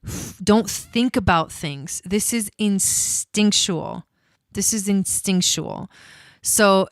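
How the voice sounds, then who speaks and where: A woman's voice: medium pitch, fairly bright tone, clean tone, dry recording. A woman from Argentina, an astrologer hosting a casual livestream, chatty and cursing freely with many fillers. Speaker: astrologer host.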